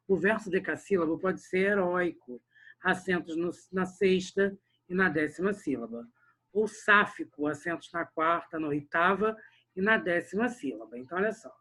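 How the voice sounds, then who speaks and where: Speaking in a fairly high, fairly bright, husky voice, a man teaches literature online. He addresses the class directly and keeps checking in with short tags like "né?" and "olha só".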